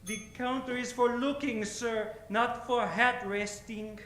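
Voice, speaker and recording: A man's voice: extremely high pitch, fairly even intonation, takes it slowly, a bit bright, slight background noise, full character voice. Man playing a prissy jeweler in an echoey hall. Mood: snooty. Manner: prissy, officious. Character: fussy, snippy male jeweler shopkeeper. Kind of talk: old-time radio comedy acting. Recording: echoey live stage recording.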